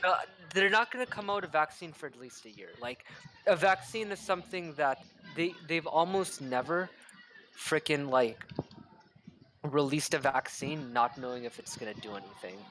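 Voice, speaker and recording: A man's voice: on the high side, normal speed, sharp tone, a little hiss or hum, low-quality recording. A man chatting on a livestream as a guest, blunt and argumentative and swearing freely. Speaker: stream guest. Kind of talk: casual livestream chat.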